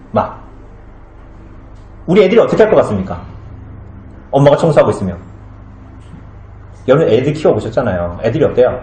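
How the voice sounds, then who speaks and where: Male pastor, conversational sermon, animated delivery with acted-out asides, roomy church sound. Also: a little high. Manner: conversational, asks the congregation many questions; acts out short comic scenes with changed voices. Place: small church hall. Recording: echoey room.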